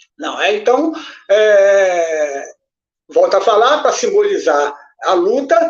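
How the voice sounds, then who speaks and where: A man talks extremely slowly, leaving long gaps often, and the room's echo is clearly audible. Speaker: lecturer on candomblé Kongo-Angola deities. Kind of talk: lecture. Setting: livestreamed talk at a festival. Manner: halting, many fillers.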